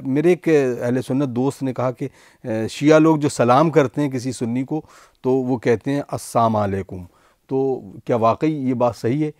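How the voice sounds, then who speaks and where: A man's voice: mid-range voice, darkish tone, dry recording. A man hosting a studio TV program, politely thanking the scholar and reading out viewers' questions. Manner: polite, reads viewer questions, frequent affirmations. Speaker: host. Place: television studio.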